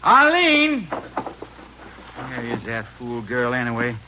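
An actor playing a folksy, grumbling, suspicious Texas ranch husband in an old radio drama. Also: male voice, medium pitch, huge pitch swings, slow pace. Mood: baffled, irritated. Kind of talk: 1940s-50s radio drama acting. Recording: noisy, muffled old radio recording.

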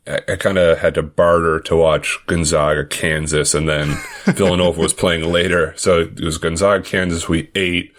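Male sports podcast co-host, Boston accent, low-pitched voice, casual and joking. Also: level tone, moderate pace, few pauses, fairly bright tone.

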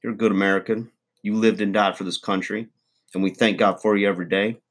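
A man's voice: on the low side, flat delivery, quick pace, close to an everyday voice. A man playing a crude, boastful middle-aged redneck uncle, rambling folksy advice in a comedy monologue.

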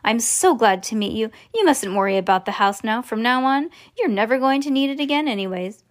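A woman voicing an excitable, grand elderly male candy factory owner from a storybook, with an emphatic manner. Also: a little high, fairly quick, close to an everyday voice. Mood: reassuring. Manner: emphatic, exclamatory.

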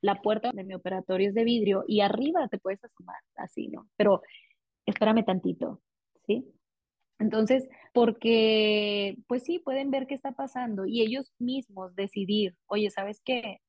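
A woman in her thirties with a Mexican accent, speaking as a pediatric dentist in a relaxed interview. She chats freely and slips into the voices of parents and kids. The sound is dry and a bit dull. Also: medium pitch, normal speed, no room sound. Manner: chatty, animated, acts out parents and children. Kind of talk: casual interview.

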